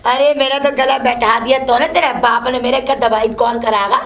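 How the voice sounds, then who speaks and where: Playing a crotchety old mother-in-law in a solo sketch, a woman shrieks curses and gripes without letting up. Her intonation stays fairly even, her pace is moderate, and her voice is a bit bright.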